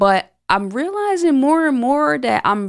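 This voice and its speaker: A woman speaks in an animated tone. Her pace is fairly slow. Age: 30s. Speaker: podcast host. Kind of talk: casual monologue. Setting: studio.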